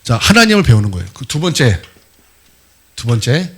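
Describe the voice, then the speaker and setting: A middle-aged male pastor preaching a sermon in a church, lively and asking the congregation questions as he goes. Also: medium pitch, moderate pace, slightly rough. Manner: lively, asks the congregation questions, acts out quotes. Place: church sanctuary.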